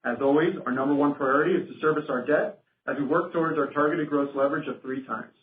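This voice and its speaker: This finance executive talks fast in a fairly high-pitched voice while formally presenting on his company's earnings call. The conference-call audio is roomy and noticeably hissy.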